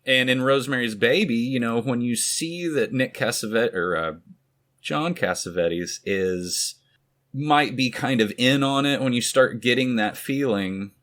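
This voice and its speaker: A man's voice: medium pitch, a little slow, fairly bright tone. A man co-hosting a podcast, chatting casually about a film, joking, laughing often and trailing off into rambling asides. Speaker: podcast co-host. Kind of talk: casual film-review chat.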